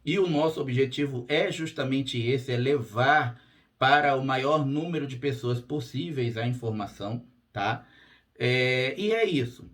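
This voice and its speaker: A man whose voice is hoarse and strained, with a raspy edge that breaks now and then. He talks casually and directly to his viewers as a spiritual therapist, plain-spoken and unfussy, in a mid-pitched voice. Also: unhurried, a bit bright. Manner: direct and plain-spoken, frequent "tá?" check-ins. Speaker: spiritual therapist and channel host. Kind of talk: casual monologue to camera.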